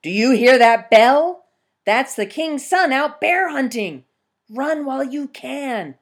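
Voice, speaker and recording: A woman voicing a frightened male peasant farmer who pleads in a high, panicky voice. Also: sing-song, slow pace, heavily acted.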